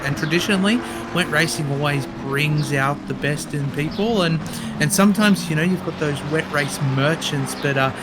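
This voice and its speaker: A man's voice: fairly high pitch, normal speed, heavy background noise. A man co-commentating a sim race, bantering and laughing at himself. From Australia. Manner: laughing, self-deprecating banter.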